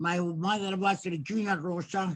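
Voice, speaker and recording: This man speaks at a high pitch. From Greece. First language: Ladino (Judeo-Spanish). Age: 90s. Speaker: Holocaust survivor. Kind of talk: testimony. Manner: halting.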